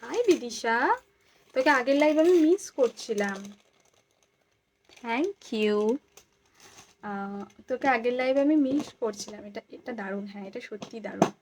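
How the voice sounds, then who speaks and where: A woman, hoarse and speaking softly, chatting casually on a live stream as she shows jewellery and repeats prices. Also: on the high side, unhurried, long pauses, slight background noise, poor audio.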